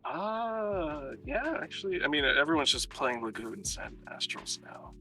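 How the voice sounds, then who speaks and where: A man's voice: fairly high pitch, big pitch swings, measured pace, bright, forceful tone. A young adult man from the United States with an American accent, a guest in a casual chat, easygoing and joking. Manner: easygoing, laid-back and joking. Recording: faint background music.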